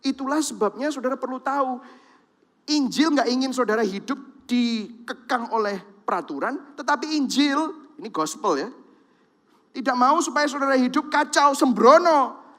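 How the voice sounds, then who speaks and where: A man's voice: very high voice, moderate pace. A man preaching a sermon in Indonesian with a Javanese-influenced accent. He speaks straight to the congregation and acts out the voices of the people in his examples. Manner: lively, talks to the congregation directly, acts out quoted voices. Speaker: pastor. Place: large church hall. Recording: long reverb of a large church hall.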